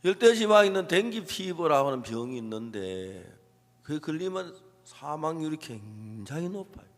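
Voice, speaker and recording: A man's voice: on the high side, very animated, moderate pace. Man preaching in a reverberant hall. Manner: storytelling with acted quotes, swings from hushed to emphatic. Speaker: pastor. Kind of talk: sermon. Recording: long reverb of a large hall.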